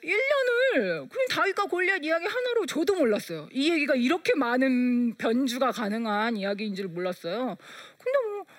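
A woman telling an emotional personal story as a mother, animated and putting on voices as she goes. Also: high voice, fairly quick, hardly any pauses, dry recording, studio quality.

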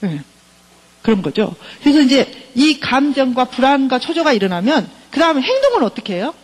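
A middle-aged woman professor lectures on counseling with a slightly husky voice. Her pitch rises and falls a lot. She keeps turning to her listeners with questions. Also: big pitch swings, brisk, rough recording. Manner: engaging, keeps asking the audience questions.

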